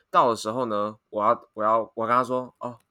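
A man's voice: mid-range voice, normal speed, no room sound, clean studio sound. A young man, co-hosting a podcast and rambling through a story with lots of restarts. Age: young adult. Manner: rambling, restarts often, animated retelling. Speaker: podcast co-host. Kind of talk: casual storytelling chat.

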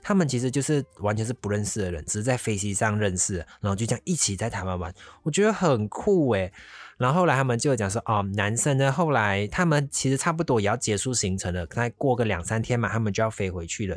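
A man's voice: on the low side, animated, fast, dry recording. A man casually telling a travel story, rambling along and slipping into English phrases. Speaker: vlogger.

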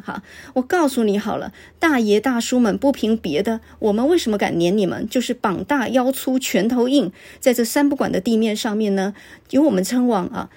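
A woman's voice: mid-range voice, mellow, breathy edge. A woman voicing a brutish male salt smuggler who hurls coarse, swaggering threats.

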